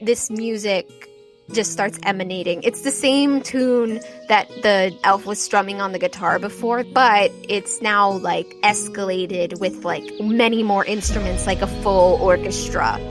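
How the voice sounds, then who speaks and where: A woman's voice: mid-range voice, unhurried. Woman game master narrating over faint music. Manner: animated, informal, frequent "like". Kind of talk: improvised tabletop game narration.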